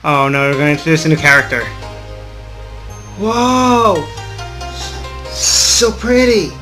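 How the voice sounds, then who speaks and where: A man's voice: a little high, animated, slow, bright, forceful tone, soft background music. A man doing let's play commentary and reading game text aloud, stumbling over words at times, with playful reactions. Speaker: let's player. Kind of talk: gaming commentary with visual novel read aloud.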